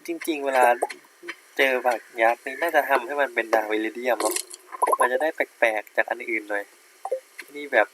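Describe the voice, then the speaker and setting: A man's voice: mid-range voice, fairly quick, very noisy. Laid-back man narrating his gameplay. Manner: relaxed, thinking aloud with many fillers. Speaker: gaming YouTuber. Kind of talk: casual game commentary. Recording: game music playing behind.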